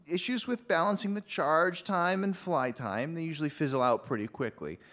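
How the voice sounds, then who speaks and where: An actor playing a kind, flustered inventor who stammers and pleads earnestly. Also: male voice, a little high, normal speed, fairly bright tone, lightly acted.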